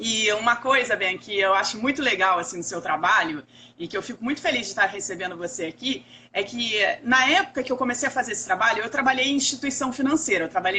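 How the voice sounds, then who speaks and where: A woman with a high pitch and lively intonation speaks fairly quickly amid noticeable background noise. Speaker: personal finance educator. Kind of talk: casual chat. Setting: Instagram live video. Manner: animated.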